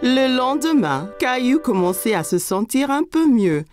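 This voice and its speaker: A woman's voice: high voice, big pitch swings, unhurried, darkish tone, faint music behind. A woman narrating a children's cartoon in the manner of a storybook reader. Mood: storytelling. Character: storyteller of a small boy's everyday adventures.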